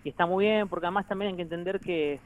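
In a rough recording, a man in his thirties with an Argentine Spanish accent talks in a high voice at a racing pace. He's a musician guest who jokes, laughs frequently and rambles through a casual interview.

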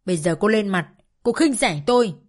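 A woman's voice: medium pitch, expressive, brisk, close to an everyday voice. A woman voicing a bitter middle-aged mother who runs a brothel, scolding her daughter in a tearful, indignant voice. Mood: furious.

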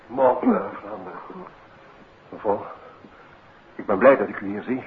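An anxious, pressing gentleman in an old radio play. His medium-pitched voice swings widely as he insists on answers. The sound is muffled and slightly noisy. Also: wildly swooping pitch, normal speed, vocal fry, exaggerated voice. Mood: anxious, insistent. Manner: insistent, questioning. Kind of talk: 1950s Dutch radio drama acting.

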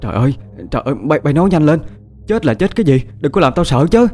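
A man's voice: a little high, expressive, a little fast, darkish tone, faint music behind, pitched above the performer's own voice, natural voice. Man voicing an anxious pleading woman. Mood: alarmed. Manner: pleading, stammering, rustic address. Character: anxious pleading middle-aged woman, daughter.

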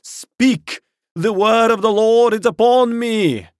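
A man narrating an audiobook, voicing a half-mad, fervent curate who declaims loudly like a wailing preacher. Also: sits high, slow, clean tone, no room sound, clean studio sound, pitched above the performer's own voice. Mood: frenzied, defiant. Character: half-mad, fervent male curate crying doom and repentance. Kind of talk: audiobook character acting.

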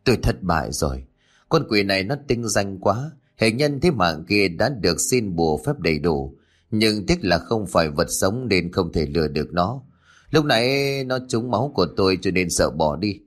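A man's voice: low-pitched, sing-song, normal speed. A man voicing a weary, defeated old male exorcist in a spoken ghost story, talking in a heavy, resigned way. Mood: grave, resigned.

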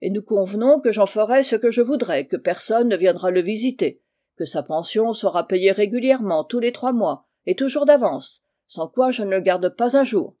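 A woman voicing a gruff, greedy male schoolmaster who speaks bluntly and loudly. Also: mid-range voice, expressive, moderate pace, lightly acted. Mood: bargaining.

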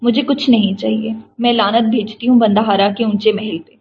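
A proud, indignant young woman speaks sharply in a storybook , voiced by a woman reading aloud. Her voice sits a little high, and the recording is slightly dull with a faint hiss behind it. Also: steady tone, natural voice. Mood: scornful. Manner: sharp, scornful.

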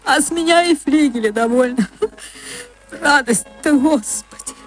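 A woman playing a kind, soft-hearted middle-aged woman who speaks tenderly and emotionally in a radio play. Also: sits high, measured pace, faint music behind, voice pushed up, poor audio. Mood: tearful.

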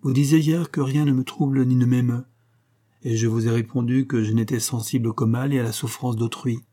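A man's voice: medium pitch, steady tone, fairly quick, mellow, close to an everyday voice. A man reading as a solemn wise Hindu guide.

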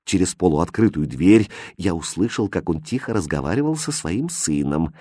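A man narrating a fairy tale in a lowish voice that rises and falls with lively expression. The sound is close and dry, with no room around it. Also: normal speed, husky, no echo. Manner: expressive, animated storytelling. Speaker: audiobook reader. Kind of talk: storybook narration.

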